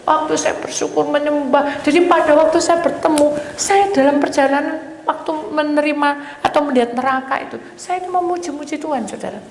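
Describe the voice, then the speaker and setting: A woman's voice: sits high, a little fast, a little hiss or hum. A woman pastor giving a sermon testimony as dramatic storytelling, acting out the voices she quotes. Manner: dramatic storytelling, acts out quoted voices, addresses congregation as "saudara". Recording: echoey hall with long reverb, faint ambience.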